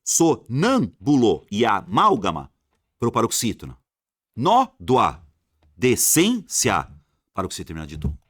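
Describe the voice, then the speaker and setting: A man's voice: fairly low pitch, huge pitch swings, unhurried, a bit bright, dry recording, studio quality. A man teaching an exam-prep grammar lesson, repeating rules emphatically and answering imagined student questions.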